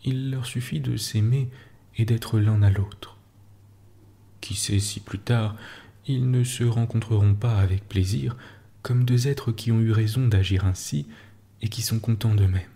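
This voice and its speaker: A man's voice: on the low side, unhurried, gravelly, warm tone. A man voicing an aging man in his sixties who pleads with bitter urgency, pressing hard on each syllable, at times in a whisper. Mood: urgent. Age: 60s.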